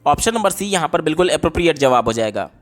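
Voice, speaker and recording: A man working through exam questions one by one, explaining each option step by step in a steady teaching voice. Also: fairly high pitch, fast. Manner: explains step by step, often repeating "ye galat ho gaya". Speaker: exam tutor. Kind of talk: exam paper walkthrough.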